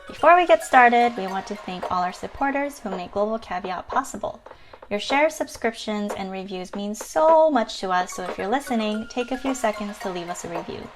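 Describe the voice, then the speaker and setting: A woman's voice: mid-range voice, expressive, normal speed, faint music behind. A young woman co-hosting a health podcast, asking questions in an upbeat, encouraging way. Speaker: podcast co-host. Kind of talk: podcast interview.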